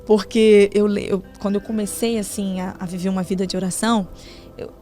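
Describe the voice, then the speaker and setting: A woman telling a lively, laugh-filled story of her faith in a casual Christian interview. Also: mid-range voice, a little fast, soft background music. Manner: animated storyteller, laughs a lot. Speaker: interview guest. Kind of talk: casual Christian testimony chat.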